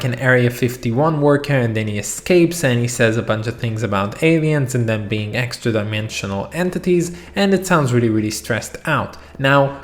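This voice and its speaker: A man at an ordinary middle pitch talks to camera about an album he loves. His delivery is casual and eager, and he strings his thoughts together with loose asides and fillers. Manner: chatty and enthusiastic, with frequent "you know" and "like". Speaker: music album reviewer. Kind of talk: casual spoken review to camera.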